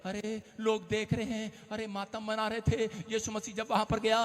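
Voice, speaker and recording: A man preaching a sermon as a pastor, shouting and acting out scenes as he tells stories. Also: high-pitched, monotone, moderate pace. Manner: shouting, dramatic storytelling. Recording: long hall reverb.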